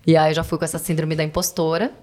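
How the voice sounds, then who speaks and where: A Brazilian woman with a Brazilian Portuguese accent, a podcast guest telling animated, profane stories and acting out quotes. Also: low-pitched, fast talker. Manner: animated, profane storyteller who acts out quotes. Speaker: podcast guest, bank teller. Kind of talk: casual podcast chat.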